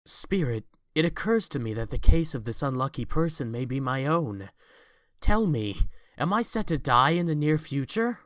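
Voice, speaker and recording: A man's voice: mid-range voice, lively intonation, normal speed, a bit bright, no echo, clean studio sound, natural voice. A man playing a proud, apprehensive young CEO in an audio drama, speaking formally and earnestly. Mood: anxious, demanding. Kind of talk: fan audio drama acting.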